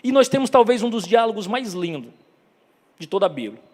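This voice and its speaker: Man, northeastern Brazilian accent, fairly high voice, dramatic sermon, long church echo. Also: very animated, fairly quick. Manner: dramatic storytelling, acts out dialogue, builds to loud climaxes. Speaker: evangelist preacher. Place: church hall.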